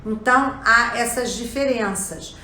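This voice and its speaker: A woman's voice: on the high side, unhurried, pushed and bright, slight background noise. A woman with a Brazilian Portuguese accent teaching a lesson, explaining step by step and often checking in with her listeners. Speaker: language teacher. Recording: echoey room.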